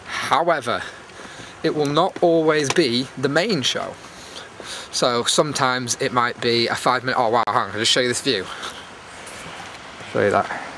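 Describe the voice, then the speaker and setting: A man's voice: mid-range voice, unhurried, long pauses. Chatty man vlogging over outdoor background noise. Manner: chatty, self-deprecating, jokey asides. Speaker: YouTube host. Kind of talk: casual rambling vlog chat to viewers. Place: outdoors, walking in a public area. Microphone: handheld camera. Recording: clear outdoor background noise while walking.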